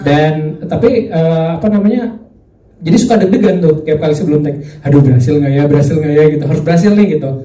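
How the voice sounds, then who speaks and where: A man, a film actor answering at a press conference, pausing often to search for words. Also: on the high side, dark tone. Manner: searching for words, many fillers. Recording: distant echoey room.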